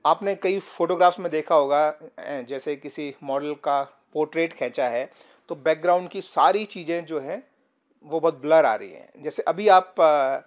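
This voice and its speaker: A man teaching photography to the camera from a sofa indoors. He explains step by step, pauses often and uses fillers, and is recorded by a camera about three feet away. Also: fairly high pitch, highs cut off. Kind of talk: casual explainer tutorial to camera. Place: indoor room, seated on a sofa.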